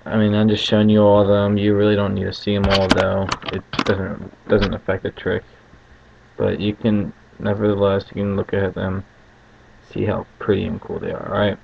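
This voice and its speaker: A man's voice: on the low side, monotone, normal speed, gravelly. A man giving casual card magician patter as he explains a trick step by step, often checking in with short tag questions. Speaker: card trick tutorial host. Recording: muffled lo-fi home recording with faint noise.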